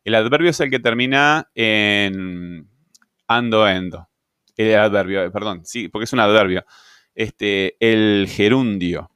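A man's voice: fairly low pitch, unhurried, fairly bright tone, smooth, no room sound, clean studio sound. A man teaching a grammar lesson, patient, often checking with rhetorical questions. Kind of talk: grammar lesson explaining on screen.

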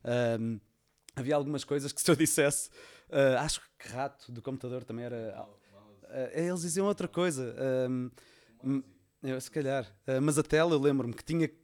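A man in his thirties with a European Portuguese accent, talking in a relaxed, unhurried way. He tells his stories as a podcast guest, often pausing on fillers and starting sentences over. His voice sits at a medium pitch. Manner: relaxed storytelling, many fillers and restarts. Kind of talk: casual conversation.

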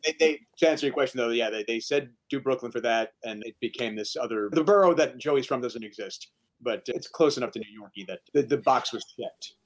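Animated male voice actor telling anecdote. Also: medium pitch, brisk. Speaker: voice actor panelist. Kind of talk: casual panel anecdote.

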